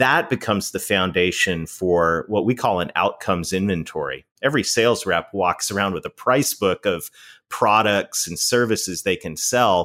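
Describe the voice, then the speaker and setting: Heard in a very clean recording with a silent background, the voice has a bright, sharp tone, ordinary pitch variation and a moderate pace with hardly any pauses. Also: man, fairly low pitch for a man. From Canada. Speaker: author and agency founder. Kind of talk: casual interview conversation.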